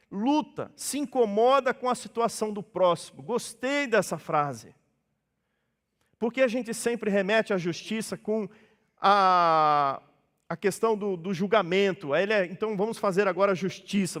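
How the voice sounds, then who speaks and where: A man's voice: high voice, a bit bright. A Brazilian man preaches a sermon from the pulpit in a lightly raised voice. He talks to the congregation casually, slipping into the voices of people from his stories. The sound rings with a long reverb in the church. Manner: conversational preaching, acts out dialogues in changed voices. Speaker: pastor. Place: church hall.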